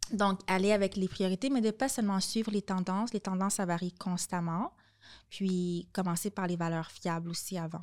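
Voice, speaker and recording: Recorded very cleanly against a silent background, a woman of medium pitch has an unremarkable speaking voice. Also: fairly even intonation, moderate pace. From Montreal, Quebec. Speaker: tax lawyer and real estate investor. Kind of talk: casual chat.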